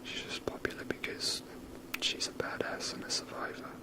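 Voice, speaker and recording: Whispered voice, ASMR game commentary, rambling, unhurried, soft unvoiced delivery. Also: low-quality recording. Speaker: game streamer.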